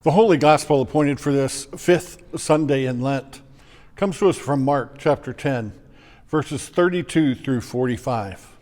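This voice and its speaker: Big echoey reverb, pastor guy reading gospel solemnly, medium pitch, deliberate phrasing. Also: a little mellow. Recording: long echoing reverb.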